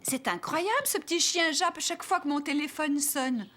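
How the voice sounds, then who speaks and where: A woman's voice: high voice, moderate pace, sharp tone. A woman voicing a cheerful, kindly grandmother in a children's cartoon dub. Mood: apologetic. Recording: music behind the dialogue.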